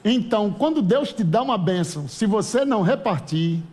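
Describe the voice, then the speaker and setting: A man with a Brazilian Portuguese accent preaching a lively, humorous sermon at a church conference. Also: high voice, normal speed. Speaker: pastor.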